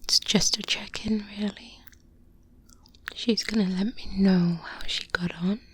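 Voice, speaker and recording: A woman playing a seasoned, guarded vampire hunter mentor in an ASMR roleplay, speaking in a breathy whisper with measured, deliberate pauses, close to a binaural mic. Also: mid-range voice, fairly even intonation, fairly bright tone. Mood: confiding, careful. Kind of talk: soft-spoken ASMR roleplay monologue. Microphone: close-up binaural microphone.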